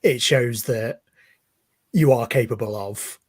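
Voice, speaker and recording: Husky-voiced man, measured football talk. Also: mid-range voice, darkish tone, no echo. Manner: measured, thoughtful, many ums. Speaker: guest, football fan page creator. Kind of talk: casual interview chat.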